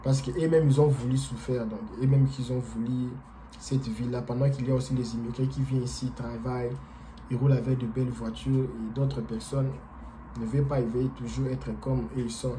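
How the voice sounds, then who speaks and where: Non-native french speaker guy vlogging, super mellow dark voice, lots of uh and repeats. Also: mid-range voice, flat delivery, slight background noise. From DR Congo. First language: not French. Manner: hesitant, halting, frequent fillers and repeated words. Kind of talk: casual explanatory monologue.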